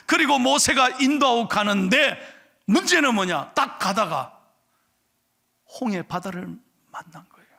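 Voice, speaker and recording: A middle-aged male pastor preaching a sermon with animated delivery, acting out complaints and leading scripture reading. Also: very high-pitched, vocal fry.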